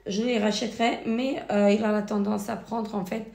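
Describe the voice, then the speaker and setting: A woman with a cold and a hoarse voice, hesitantly reviewing finished beauty products in a casual vlog. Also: medium pitch, level tone, moderate pace, mellow. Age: married adult. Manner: hesitant, many fillers and restarts. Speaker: beauty vlogger. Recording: echoey room.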